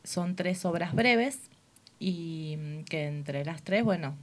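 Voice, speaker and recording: A woman's voice: on the low side, slow. A woman from Rosario with an Argentine Spanish accent, a theater group member talking as a guest on a radio show, hesitant with many fillers. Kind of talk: casual interview answers. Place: small radio studio.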